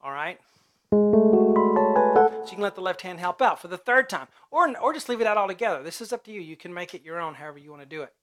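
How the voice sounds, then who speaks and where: A man with a high voice teaching a piano piece step by step, chatting casually as he calls out note names and hums the riffs. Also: lively intonation, fairly quick. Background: loud piano playing.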